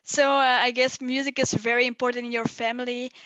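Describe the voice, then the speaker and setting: A woman's voice: fairly high pitch, level tone, a little fast, fairly bright tone, dry recording, muffled recording. A young woman interviewing a guest over a video call, asking questions with frequent hesitant fillers.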